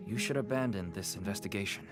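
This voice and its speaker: A man's voice: lowish voice, fast talker, over loud music, natural voice. A man acting as a wary, conciliatory black-market dealer and family father in a video game. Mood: cautioning.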